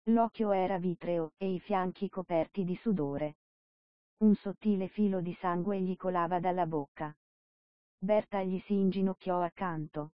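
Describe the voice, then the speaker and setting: A woman narrating a novel in a measured, steady storytelling manner. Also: fairly low pitch, dry recording. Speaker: audiobook narrator. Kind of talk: scripted narration. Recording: dull dry lo-fi recording.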